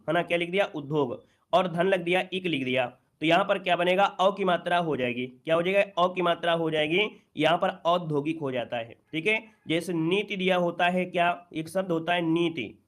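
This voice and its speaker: A man's voice: on the high side, fairly bright tone. A man teaching an exam-prep Hindi spelling lesson, repeating key points and asking the class rhetorical questions, then answering them himself.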